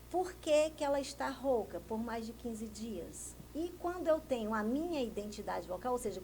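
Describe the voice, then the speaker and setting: A woman's voice: on the high side, darkish tone, slight background noise, poor audio. A woman from Brazil, a speech therapist, explaining voice health in a TV interview and often answering her own questions. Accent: Brazilian Portuguese. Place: TV news studio.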